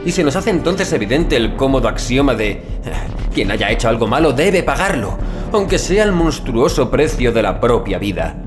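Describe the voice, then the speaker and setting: Over a music bed, a male audiobook narrator reads a scripted horror tale in a dramatic, sing-song way. His pitch is medium, his manner grave and measured, and he stretches out the endings of phrases.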